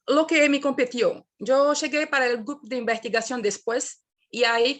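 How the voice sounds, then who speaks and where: A woman from Brazil, a native Portuguese speaker with a Brazilian accent, giving an academic talk over a video call, halting and searching for words. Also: a little high. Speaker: panel speaker.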